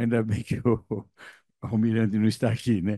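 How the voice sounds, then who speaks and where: Against a quiet background, a man talks at a fairly slow pace. His voice sits at a medium pitch with a dark, mellow tone. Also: dry, close sound with no echo. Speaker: event organizer giving closing thanks. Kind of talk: closing speech at event. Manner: quiet at first.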